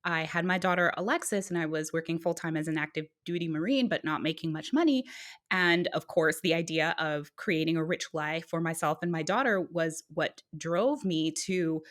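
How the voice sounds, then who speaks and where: Woman, middle-aged, from Guyana, slightly low voice, chatty storytelling, casual fillers. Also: normal speed, a bit bright. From born in Guyana, raised in the US. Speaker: guest author. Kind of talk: conversational podcast interview.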